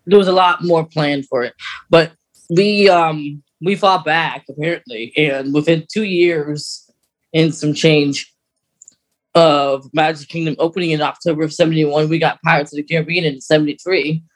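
A man's voice: fairly high pitch, steady tone, moderate pace, rough recording. A man co-hosting a podcast in casual, chatty conversation, explaining things like an enthusiast. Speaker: podcast co-host. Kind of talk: casual chat.

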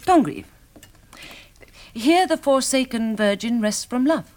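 An actress playing a wistful, playful, well-bred young woman novelist in a 1960s radio drama, hesitant and expressive. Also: a little high, slow. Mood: wry, candid.

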